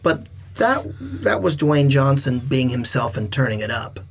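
A middle-aged man, a veteran wrestler and guest, telling stories in a casual chat, animated and swinging between loud and soft. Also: mid-range voice, moderate pace, vocal fry, a little hiss or hum.

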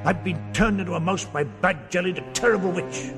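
A man's voice: high-pitched, fairly quick, in a large hall, loud music behind the voice, natural voice. A man voicing a friendly, chatty little male mouse in a storybook.

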